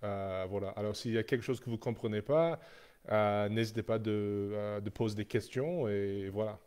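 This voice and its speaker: A man's voice: on the low side, moderate pace, a little mellow, clean tone. A man, a strength coach giving a live Q&A presentation, hesitant, with many fillers and restarts. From Canada. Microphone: live stream.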